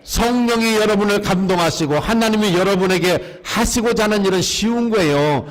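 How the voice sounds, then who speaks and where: A male pastor with a high voice preaches a sermon at normal speed, repeatedly questioning his congregation and having them echo his lines. The long reverb of a church sanctuary rings around him.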